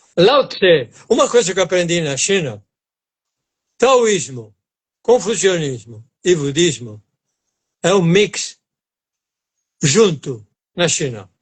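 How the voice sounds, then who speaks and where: Very slowly and with long, frequent pauses, a man speaks at a high pitch with very wide pitch swings. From Argentina, Buenos Aires province. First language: Spanish (speaking Portuguese). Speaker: acupuncture and Chinese medicine teacher. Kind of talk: casual chat.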